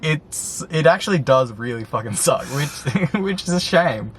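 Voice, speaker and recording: A man's voice: a little high, lively intonation, a little slow, fairly bright tone. Young aussie guy, frank and rambly, swears a bit, faint noise in the room. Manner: candid, swears freely, rambling. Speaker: guest best friend. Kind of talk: casual chat.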